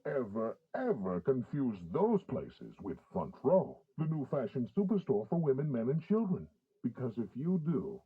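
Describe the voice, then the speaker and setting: A man's voice: a little high, breathy edge. A man doing polished, theatrical voice-over for vintage radio commercials. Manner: polished, theatrical announcer delivery. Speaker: voice actor. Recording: muffled, band-limited old demo tape. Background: music beds.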